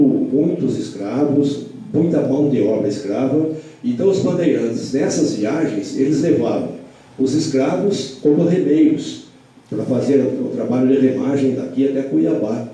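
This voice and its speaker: A man from the interior of São Paulo with a Brazilian Portuguese accent explains local history in a slow, lecturing way. His voice is dark and mellow. He sits away from the mic in a very echoey room. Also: medium pitch, lively intonation, distant mic. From Porto Feliz, São Paulo state, Brazil. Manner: measured, lecturing with many fillers and restarts.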